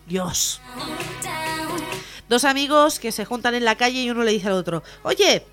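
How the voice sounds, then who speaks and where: A woman hosting a radio humor show, telling jokes in a lively way and putting on voices for the characters. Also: a little high, normal speed. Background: music.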